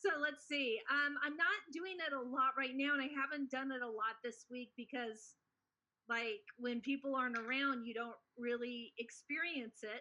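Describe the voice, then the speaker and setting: A woman speaks in a high, raised and projected voice at a moderate pace, her pitch rising and falling in an ordinary way. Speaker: comedian. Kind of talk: casual chat. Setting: video call. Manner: halting.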